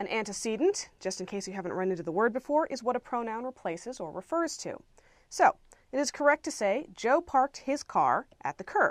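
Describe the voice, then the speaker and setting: In a very clean recording with a silent background, a woman with an American accent talks at a fairly quick pace in a high voice with very wide pitch swings. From United States. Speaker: grammar teacher. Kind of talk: lecture.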